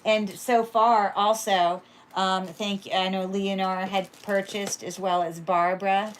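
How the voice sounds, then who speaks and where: A woman sells jewelry on a livestream, chatting casually with many fillers and thinking aloud as she handles each pair, and she calls her own voice loud. Her mid-range voice is flat and unhurried, with a little hiss or hum in the audio.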